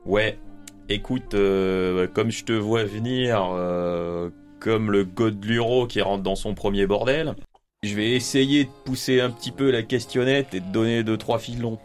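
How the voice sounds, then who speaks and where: A shrewd, guarded crime patron, acted by a man running a game, speaking fairly low. He bargains in familiar slang with hesitant phrasing. Music plays behind the role-play. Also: fairly even intonation, measured pace, close to an everyday voice. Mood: shrewd bargaining.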